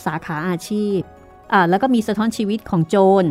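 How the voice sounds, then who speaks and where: A woman's voice: medium pitch, steady tone, a little fast, faint music behind. A woman hosting a chatty podcast, speaking through a face mask. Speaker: podcast host. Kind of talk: scripted-sounding but chatty show hosting.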